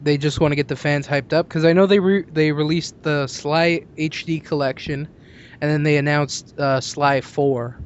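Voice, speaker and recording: A man's voice: a little high, steady tone, normal speed. A young man hosting a casual discussion of gaming news. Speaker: podcast host. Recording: muffled audio with faint background noise.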